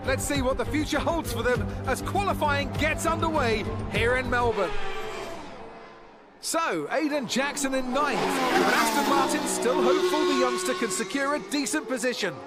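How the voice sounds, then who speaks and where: A man's voice: very high-pitched, wildly swooping pitch, moderate pace, exaggerated voice. A man playing a keen motorsport commentator setting the scene in a racing video game. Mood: keen, anticipatory. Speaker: sports commentator. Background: loud music.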